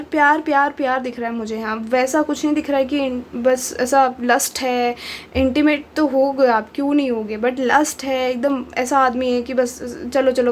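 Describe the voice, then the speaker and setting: A high-voiced woman talks through a casual tarot reading in a chatty, rambling way, slipping English phrases into Hindi. She is a little unwell, which takes some edge off her voice. A faint hiss sits under the recording. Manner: chatty, mixes Hindi and English, frequent fillers. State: unwell, voice slightly off. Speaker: tarot reader.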